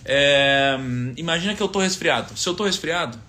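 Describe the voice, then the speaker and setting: A Brazilian man in his thirties gives a casual faith-and-finance teaching talk on a live stream, speaking with a Brazilian Portuguese accent. His voice is fairly high, bright and pushed, at a moderate pace. Conversational in tone, he fills the talk with rhetorical questions and quoted scripture.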